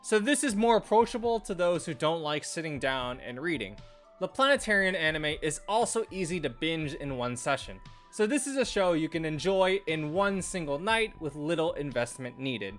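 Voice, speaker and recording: A man reviewing anime and visual novels reads a scripted video review with music behind him. His voice is fairly high and fairly bright, very animated, at a normal speed.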